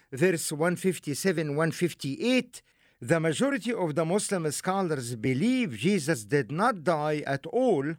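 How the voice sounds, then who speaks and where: Guy teaching, takes his time, voice goes up and down a lot, kinda high, dry close sound. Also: no echo. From Egypt. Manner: deliberate and emphatic, with rhetorical asides. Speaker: religious lecturer. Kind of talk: teaching lecture.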